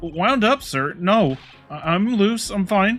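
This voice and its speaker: A put-on character voice sits at a middle pitch, strained and shrill. The pace is fairly slow. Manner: nervous, unconvincing denial.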